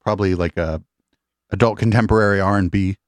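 A man's voice: fairly low pitch, steady tone, a little fast, dry recording. A man hosting a podcast interview, chatting loosely with restarts and casual swearing. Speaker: podcast host.

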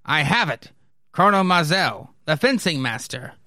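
A man's voice: a little high, sing-song, normal speed, sharp tone, dry recording, clean studio sound, voice pushed up. A man voicing earnest, commanding military officers in stiff, declamatory read-aloud story dialogue. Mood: solemn, resolute.

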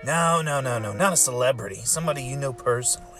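Woman acting bossy young pal in a horror audio drama, really low voice, clear music behind. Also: expressive, fast. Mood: commanding, eerie. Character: young adult friend, Darius, bossy leader of occult game.

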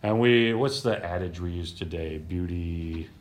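A man's voice: sits low, a little slow. A man hosting a casual podcast about the Bible. He talks in a chatty way, laughs easily and stumbles over names while reading. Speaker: podcast host.

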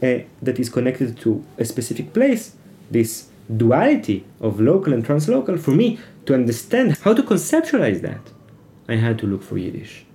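A man whose first language is Hebrew, speaking as an interview guest in a thoughtful, halting way, often restarting his phrases. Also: medium pitch, wildly swooping pitch, mellow, slight background noise. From Israel. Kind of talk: reflective conversational interview.

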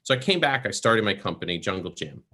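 Middle-aged man, bright forceful tone, animated storyteller, podcast guest. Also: on the low side, fast talker. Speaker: guest, professional Santa performer.

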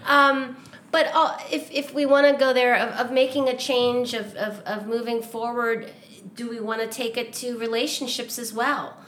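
A woman's voice: on the high side, fairly even intonation, moderate pace, a bit bright. A woman co-hosting a casual podcast, talking things through thoughtfully and laughing easily. Her voice carries a noticeable room echo. A faint hiss sits under her voice. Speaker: podcast co-host. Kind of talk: casual chat.

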